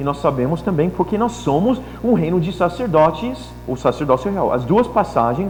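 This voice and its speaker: A man's fairly high voice with very wide pitch swings, music in the background. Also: moderate pace. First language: not Portuguese (foreigner) (speaking Portuguese). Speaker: preacher. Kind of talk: sermon.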